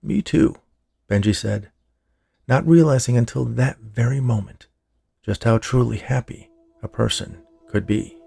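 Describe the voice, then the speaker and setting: A man's voice: mid-range voice, a little slow, gravelly, dark tone, husky. A man narrating scripted fiction in an audiobook style, as the host of a story podcast.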